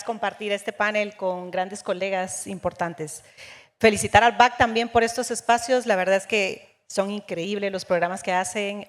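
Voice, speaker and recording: A woman from Guatemala, an executive, answering as a panelist in a fluent, composed way. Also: medium pitch. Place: conference stage. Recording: long hall reverb.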